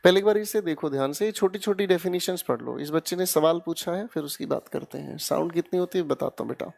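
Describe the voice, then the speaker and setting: A man's voice: on the high side, fast, vocal fry, darkish tone. A man with an Indian accent teaching English grammar in an online exam-prep lecture, coaxing students and checking again and again that they follow. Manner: coaxing, keeps checking students with "haan ya na?" and "theek hai beta?".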